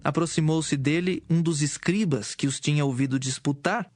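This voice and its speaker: A man's voice: on the high side, normal speed, darkish tone, no echo, faint music behind. A man with a Brazilian accent giving scripted narration of scripture as a narrator.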